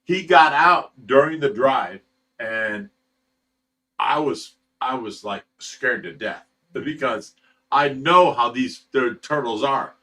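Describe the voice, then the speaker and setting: A man's voice: mid-range voice, animated, slow, sharp tone, recorded from a distance, rough recording. A man in his sixties hosting a casual livestream, reading viewer comments and telling rambling stories with plenty of swearing and laughter. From Ohio, USA. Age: 60s. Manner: rambling storyteller, swears freely and laughs often. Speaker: fish rescue host.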